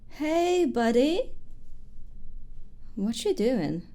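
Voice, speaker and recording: A woman's voice: sits high, big pitch swings, extremely slow, dark tone, voice pushed up, exaggerated voice. A woman voicing a chipper, friendly little robot companion in casual, playful game banter.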